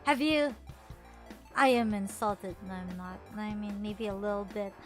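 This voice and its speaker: A woman's voice: mid-range voice, measured pace, faint music behind. A woman from the Philippines, chatting playfully on a stream, teasing herself and laughing often. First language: Filipino. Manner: animated, playful and self-mocking, laughs often. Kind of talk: casual chat stream.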